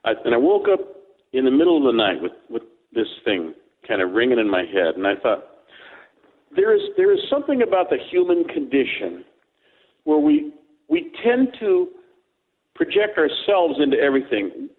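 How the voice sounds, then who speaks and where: A man's voice: mid-range voice, huge pitch swings, normal speed. A man co-hosting a radio talk show, joking and rambling as he tells stories. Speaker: co-host. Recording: tinny phone line.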